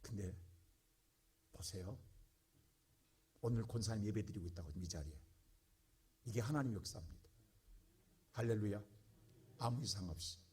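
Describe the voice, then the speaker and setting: A male pastor preaching a sermon with passion, going from quiet talk to shouting. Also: lowish voice, normal speed, long pauses, slightly rough.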